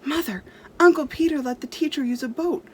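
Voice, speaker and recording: A woman's voice: high voice, a little fast, a little hiss or hum, pitched above the performer's own voice, natural voice. A woman voicing an eager, curious ten-year-old boy in a children's storybook, earnest and full of questions. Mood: awed, wistful. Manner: excited, questioning.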